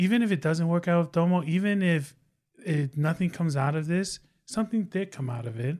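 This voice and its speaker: A high-pitched man in a Tongan accent, moderate in pace, with ordinary pitch variation. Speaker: UX designer and mentee. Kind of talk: casual interview chat.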